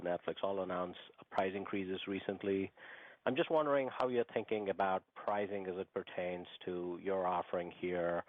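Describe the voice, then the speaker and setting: A man's voice: low voice, no room sound. A man speaking as a financial analyst, politely putting detailed questions on an earnings call. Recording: dull, lo-fi, dry conference-call line.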